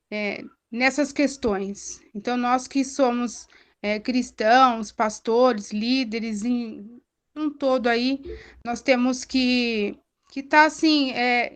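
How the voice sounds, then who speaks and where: A woman's voice: high voice, a bit bright. A woman student commenting in an online class, speaking hesitantly with many fillers.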